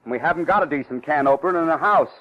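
A man's voice: on the high side, racing, natural voice. A man playing a fumbling, defensive husband in old-time radio style, strained and exasperated. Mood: smug, insistent. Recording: muffled old radio recording, music.

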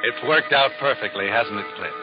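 A man's voice: fairly low pitch, normal speed, natural voice. Dull vintage radio sound, music behind, male actor as sinister omniscient narrator, knowing, taunting, second-person crime storytelling. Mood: smug, taunting. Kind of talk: 1940s radio drama narration.

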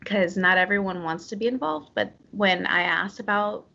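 A woman guest talks in a bubbly, chatty way, with "like" scattered throughout. Her pitch is middling. Her audio comes through dull and muffled. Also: moderate pace, gravelly, sharp tone. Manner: bubbly, chatty, says "like" a lot. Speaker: interview guest. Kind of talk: casual interview chat.

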